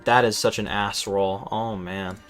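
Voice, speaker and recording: A man's voice: fairly low pitch, steady tone, unhurried, a bit bright. A man streaming a game with casual, exasperated, sweary running commentary, often stammering over repeated words. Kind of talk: casual live gameplay commentary. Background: game music.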